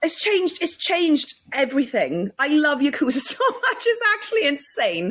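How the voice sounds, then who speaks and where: Noticeable background noise sits under a Welsh-accented voice moving at a moderate pace with hardly any pauses and very wide pitch swings. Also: woman, high pitch for a woman. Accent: Welsh twang. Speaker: Twitch streamer and content creator. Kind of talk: casual chat. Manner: animated.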